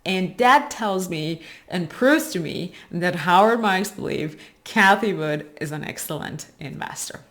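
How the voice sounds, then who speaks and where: A woman's voice: on the low side, lively intonation, unhurried, hardly any pauses. Woman explaining investing research. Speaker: host of an investing video channel.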